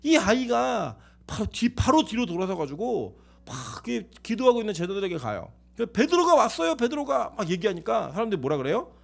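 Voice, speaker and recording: A pastor with a high, bright-pitched voice delivers a sermon, his tone leaping up and down as he tells stories. He acts out the people he quotes and keeps putting questions to his listeners, then answering them himself. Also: very animated, fairly quick, gravelly, hardly any pauses.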